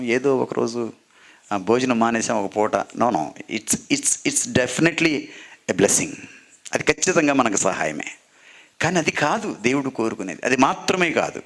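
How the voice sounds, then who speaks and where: A man's voice: medium pitch, creaky. A man preaching a sermon as a Catholic priest, leading the congregation in call-and-response and mixing in English phrases.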